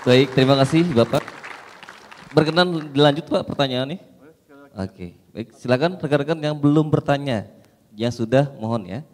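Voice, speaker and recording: A man's voice: medium pitch, a little mellow, in a large hall, a faint crowd. A man moderating a question session, politely handing out turns to the audience. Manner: polite, directs turns briskly.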